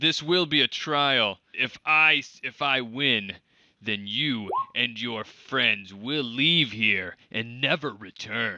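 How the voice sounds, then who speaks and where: Using a put-on character voice, a man growls at medium pitch and a very slow pace. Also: ordinary pitch variation. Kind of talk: mock-heroic fantasy speech. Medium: actual play. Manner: grandiose, formal, refers to himself in third person.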